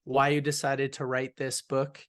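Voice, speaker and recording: A man's voice: mid-range voice, completely flat delivery, a little slow, a bit bright. A man hosting a podcast interview, friendly and upbeat as he welcomes a guest. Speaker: podcast host.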